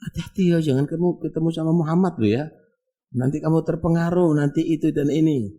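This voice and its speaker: A man's voice: fairly high pitch, fairly even intonation, fast, mellow, pitched above the performer's own voice. A man voicing a suspicious, grumbling old blind beggar who keeps warning others.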